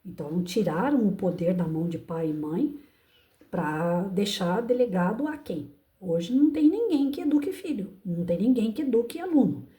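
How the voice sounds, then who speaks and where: A Brazilian woman, a teacher, telling a story in an emphatic, animated casual monologue. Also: mid-range voice, normal speed. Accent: Brazilian Portuguese. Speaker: teacher and channel host. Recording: echoey room.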